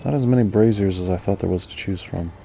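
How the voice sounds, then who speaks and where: A man with a low, gravelly voice and a dark, soft tone talks through a game in an unhurried, mellow way, thinking out loud. Faint music plays behind him. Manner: slow, mellow, musing. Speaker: gamer. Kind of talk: calm gaming commentary.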